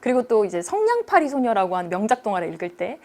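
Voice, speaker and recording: A woman teacher giving a lecture, lively and engaging, often checking in with her students as she explains. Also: medium pitch, fast.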